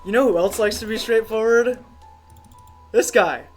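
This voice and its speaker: A man running a tabletop game as game master, easygoing and loose with his words and quick to curse. Light background music plays under his voice. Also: high-pitched. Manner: casual, swears a lot, gets loud and excited.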